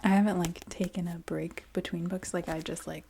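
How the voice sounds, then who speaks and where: A woman chatting casually in a soft ASMR voice that often drops into a whisper. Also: lowish voice, flat delivery, a little fast, vocal fry, slight background noise. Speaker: ASMR video creator. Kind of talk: soft-spoken ASMR, casual rambling chat.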